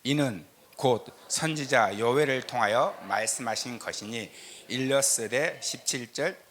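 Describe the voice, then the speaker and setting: A middle-aged Korean pastor from the south with a slight southern regional lilt, preaching a teaching sermon with scripture readings and rhetorical questions. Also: male voice, medium pitch, unhurried, fairly bright tone. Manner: emphatic, rhetorical questions, frequent "eo" fillers. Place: church sanctuary.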